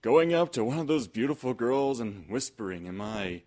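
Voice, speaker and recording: A male announcer hosting in old-time radio style. He slides between scripted banter and sponsor copy in a folksy, chummy way, at a middle pitch. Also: expressive, normal speed, a little mellow.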